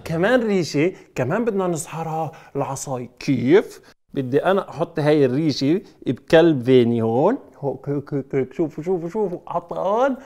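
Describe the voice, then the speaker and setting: A man with a fairly high, mellow, expressive voice talks fairly quickly while showing kids magic tricks. Hosting a lively children's show, he coaxes the young audience, calls for responses from them, and lets out playful exclamations.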